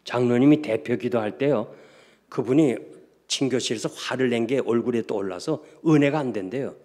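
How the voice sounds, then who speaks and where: A Korean pastor delivers a revival sermon in a church with a long, ringing reverb. He tells stories, drops to quiet asides, then rises into loud, emphatic exclamations. His voice sits at an ordinary middle pitch for a man. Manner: storytelling, swings from hushed to loud exclamations. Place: church sanctuary.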